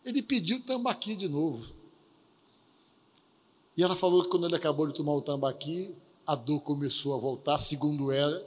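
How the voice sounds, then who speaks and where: Brief: Brazilian male preacher, high-pitched, telling a lively testimony, reverberant church. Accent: Brazilian Portuguese. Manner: lively storytelling with acted quotes. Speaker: pastor. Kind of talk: sermon testimony storytelling.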